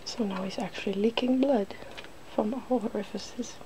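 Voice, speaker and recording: A woman's voice: mid-range voice, fairly even intonation, moderate pace, noisy background. A woman hosting a casual ASMR makeup demonstration, chatty and giggly, drifting into whispers. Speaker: ASMR video host.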